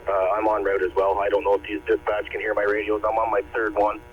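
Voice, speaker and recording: A man's voice: lowish voice, completely flat delivery, quick pace. A male firefighter giving terse procedural radio traffic over a two-way radio. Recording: muffled radio scanner, very loud noise.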